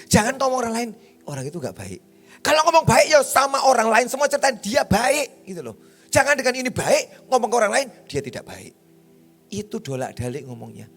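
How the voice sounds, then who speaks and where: Man preaching, high lively voice, husky tone, blunt and emphatic, faint music behind. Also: fast talker. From Makassar, Indonesia. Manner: calls out to the congregation often. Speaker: pastor. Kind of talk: sermon.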